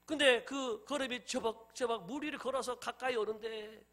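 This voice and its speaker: High, bright-voiced male pastor preaching. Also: normal speed. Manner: animated preaching, acting out scenes in different voices. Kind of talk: sermon.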